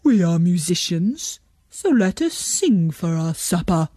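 Storybook donkey, played by a woman: big male leader, eager, unhurried, lowish voice, dry sound. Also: very animated, mellow, slightly rough, no room sound, full character voice. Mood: rallying. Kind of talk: storybook character voice.

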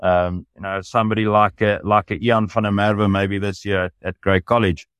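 Lower-voiced rugby commentator. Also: male voice, level tone, moderate pace, a bit bright, clean tone, no echo. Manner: enthusiastic, analytical. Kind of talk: podcast discussion.

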